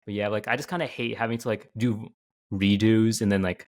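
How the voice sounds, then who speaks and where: A man's voice: lowish voice, fairly even intonation, brisk. A man co-hosting a casual podcast chat, speaking loosely with many fillers and trailing sentences. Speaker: podcast co-host and video creator.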